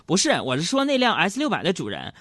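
A man's voice: high voice, huge pitch swings, fast, bright, forceful tone, pitched above the performer's own voice, heavily acted. A man voicing his wife as she needles him in a matter-of-fact way, inside a comic monologue. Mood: needling. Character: nagging wife with a pointed reply.

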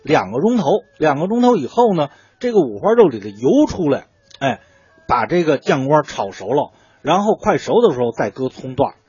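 A man's voice: fairly high pitch, big pitch swings, normal speed, darkish tone, breathy edge, dry recording. A man with a Beijing accent explaining things conversationally, like a storyteller who poses questions and then answers them. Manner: colloquial storyteller, asking and answering own questions. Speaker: food writer guest explaining dishes. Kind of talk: conversational explanation of traditional cooking. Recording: muffled, dull lo-fi sound.

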